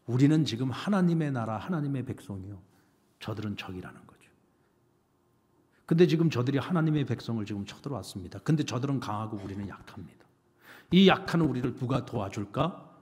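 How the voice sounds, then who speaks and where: A man preaching a sermon as pastor, animated, asking the congregation rhetorical questions. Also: mid-range voice, a little fast, long pauses. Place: church sanctuary. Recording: reverberant church sanctuary.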